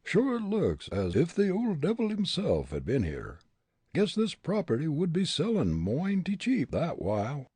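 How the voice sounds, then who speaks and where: A man voicing a boastful, quick-tempered, superstitious Irish tramp with an Irish accent, full of indignant exclamations in a storybook reading. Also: a little high, huge pitch swings, dark tone, husky, no room sound, voice pushed up, full character voice. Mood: uneasy muttering.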